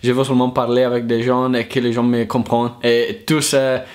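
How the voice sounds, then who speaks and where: An Italian man talks in a second language, with an Italian accent and a halting, searching delivery. He pauses often and restarts his sentences while his voice sits at a middling pitch. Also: little pitch movement, a little mellow. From Italy. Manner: hesitant, many fillers and restarts. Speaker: language learner vlogger. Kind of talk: casual thank-you monologue.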